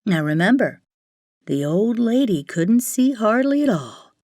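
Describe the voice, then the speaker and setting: A woman tells a children's fairytale slowly and dramatically, with a very lively rise and fall. The sound is close and dry, with faint music behind her. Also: mid-range voice, no echo. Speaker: storyteller. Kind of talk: expressive children's fairytale narration.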